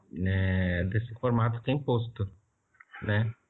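A man is speaking. His intonation is fairly even. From Brazil, São Paulo city. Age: 30s. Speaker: visual artist. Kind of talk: interview.

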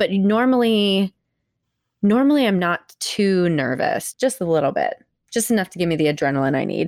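On a very clean recording with a silent background and a dry, close sound with no echo, a woman speaks at a medium pitch with very wide pitch swings. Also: moderate pace. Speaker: therapist and podcast host. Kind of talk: casual interview chat. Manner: chatty, laughs often.

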